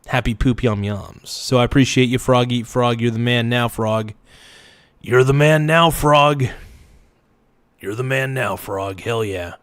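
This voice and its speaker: A man hosting a casual livestream reaction, his voice worn hoarse, rambling and loudly thanking donors. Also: mid-range voice, no room sound. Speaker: livestream host.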